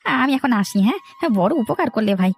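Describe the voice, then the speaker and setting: Woman voicing a fast, swooping, pleading village gentleman. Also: high-pitched, sing-song, breathy edge, no echo, exaggerated voice. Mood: pleading, urgent. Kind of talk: Bengali cartoon story dialogue. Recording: faint music behind.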